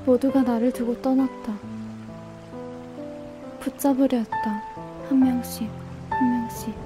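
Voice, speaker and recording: A woman's voice: a little high, steady tone, a little slow, over music, close to an everyday voice. A young woman acting a hurt, withdrawn and despairing character in a radio drama. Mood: bleak. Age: young adult.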